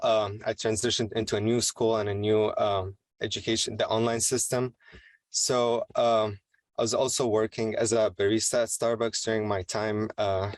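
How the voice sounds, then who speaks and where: A young man from Syria speaks as a student fellow, delivering prepared remarks at a steady, measured pace. His voice sits fairly low and the sound is dry, with no room echo. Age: young adult.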